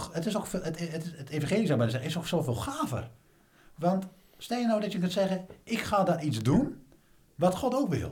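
This man talks in a Utrecht accent, with a high pitch and very wide pitch swings at a moderate pace. Audible room echo surrounds his voice. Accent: Spakenburg dialect tongue, kept. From Spakenburg, Netherlands. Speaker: theologian. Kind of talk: casual chat.

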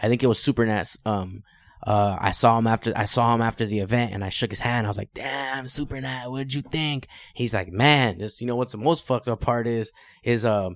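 With a Southern California accent, a man talks at a fairly quick pace, his medium pitch showing ordinary variation. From Los Angeles area, California. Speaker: battle rap league organizer. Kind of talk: casual chat.

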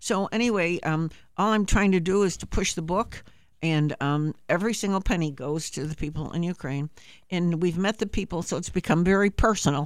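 In a normal speaking voice, a woman talks at a fairly quick pace with a fairly low pitch and ordinary pitch variation, on a very clean recording with a silent background. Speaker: community arts organizer. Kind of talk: casual radio interview. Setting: studio.

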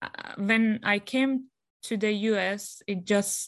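A woman with a non-native accent, fairly high pitch, fairly even intonation and a very slow pace. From Afghanistan. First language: not English. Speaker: author and social services worker. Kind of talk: interview. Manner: halting.

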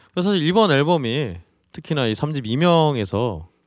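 Recorded very cleanly against a silent background, with a dry, close sound and no echo, a man speaks at a medium pitch with very wide pitch swings. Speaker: radio host. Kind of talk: casual chat. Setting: studio.

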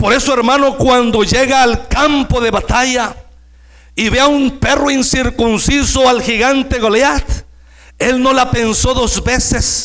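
A man's extremely high-pitched, flat monotone at a fairly slow pace, very even in loudness, with audible room echo. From Mexico, Nayarit. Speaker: preacher. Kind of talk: sermon.

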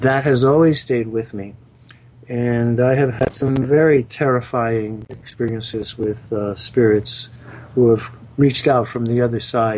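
A man speaks in an unremarkable speaking voice at medium pitch. His pace is fairly slow and his intonation fairly even. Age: 60s. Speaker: intelligence analyst and psychotherapist guest. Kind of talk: casual radio interview.

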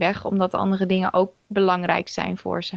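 Her pace moderate and pitch medium, a woman speaks. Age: 30s. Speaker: Dutch language teacher. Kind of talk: interview. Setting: online call. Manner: hesitant, many fillers.

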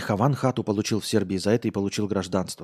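Fairly low-pitched male voice, dark and mellow in tone with ordinary pitch variation, dry and close with no echo on a very clean recording with a silent background. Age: 40s. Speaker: podcast host and streamer. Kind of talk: casual livestream chat, reading donations and news aloud. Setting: home livestream with webcam.

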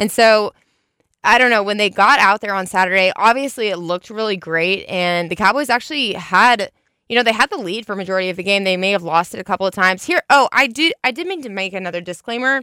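A very fast, animated voice with a bright, sharp tone, dry and close with no echo, on a very clean recording with a silent background. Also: woman, medium pitch for a woman, ordinary pitch variation. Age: 20s. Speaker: sports podcaster. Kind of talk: solo sports commentary podcast. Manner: casual, animated.

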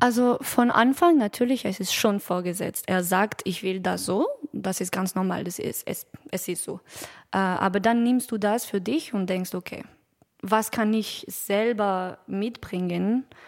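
Someone with a French accent speaks with ordinary pitch variation. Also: woman, medium pitch for a woman, fairly slow pace. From southern France. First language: French (speaking German). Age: 20s. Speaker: opera soprano. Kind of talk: panel discussion. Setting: guest room at the opera house. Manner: halting, hesitant.

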